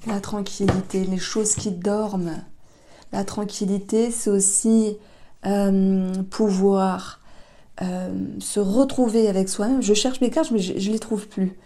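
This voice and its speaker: A woman giving a tarot reading, talking gently and unhurriedly with fillers and self-corrections. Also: medium pitch, fairly even intonation, slow pace. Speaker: tarot reader.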